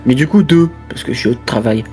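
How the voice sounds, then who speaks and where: A man takes part in a tabletop roleplaying session, improvising his character's lines. His voice sits at a medium pitch, with music playing underneath. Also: brisk. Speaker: player in a tabletop roleplaying game.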